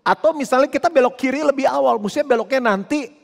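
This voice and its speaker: A male pastor preaching a sermon in a lively, conversational way with playful asides. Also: very high voice, quick pace, vocal fry. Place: church hall. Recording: long church hall reverb.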